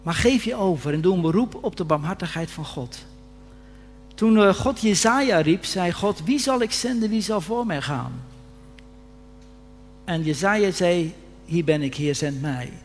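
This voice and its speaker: In a reverberant church hall carrying a faint hum, a man with a high voice preaches in earnest, often swelling into fervent emphasis. He speaks unhurriedly, his intonation lively.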